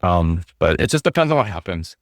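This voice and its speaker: A man talking casually on a livestream, rambling with lots of fillers, his voice going hoarse as he gets over being sick. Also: deep voice, sing-song, brisk, no echo, clean studio sound. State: hoarse, recovering from illness. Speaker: streamer.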